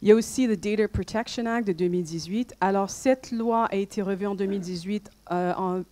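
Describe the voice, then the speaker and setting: A woman's voice: medium pitch, a little fast, darkish tone. Hesitant Canadian woman giving a talk. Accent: Canadian French. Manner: hesitant, many fillers and restarts. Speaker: speaker at a public debate. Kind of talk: conference talk.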